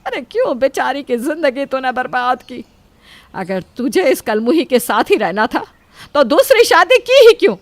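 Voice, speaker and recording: A woman with a somewhat high voice speaks story dialogue in a scolding, lamenting way. The sound is dry and close. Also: very animated, normal speed, no room sound. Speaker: voice actor in an audio story.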